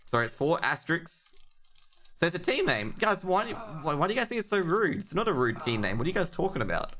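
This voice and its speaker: A man's voice: on the high side, sing-song, fast, a bit bright. A man doing casual, jokey live commentary on an esports match and chatting informally with his viewers. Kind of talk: casual live game commentary with chat banter. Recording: clear background noise with clicks.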